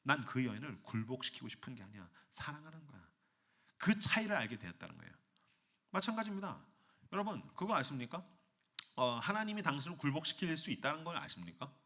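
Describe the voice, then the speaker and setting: A man's voice: medium pitch, fast talker. A man preaching to a young adults' retreat in a church hall, playful and acting out scenes. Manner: animated, playful, acts out scenes. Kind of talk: sermon.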